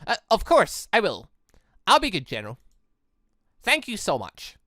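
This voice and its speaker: A game streamer as an eager, bright-voiced polite girl. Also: mid-range voice, wildly swooping pitch, normal speed, no room sound, clean studio sound, pitched above the performer's own voice. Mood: grateful, eager. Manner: eager, formal.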